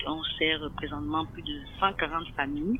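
Speaking fairly slowly, a woman uses a very deep, low pitch with lively intonation. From Cameroon. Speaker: community social worker. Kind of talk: personal testimony. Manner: halting.

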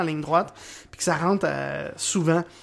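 A man speaks with a Quebec accent. His pitch is high. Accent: Québécois French. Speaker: sports podcast host. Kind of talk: casual chat. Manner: animated.

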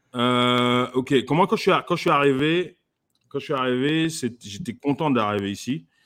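A man speaks in a normal speaking voice at a medium pitch. His pace is fairly slow, and his pitch varies in an ordinary way. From France, Paris suburbs. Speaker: comedian. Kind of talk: casual chat.

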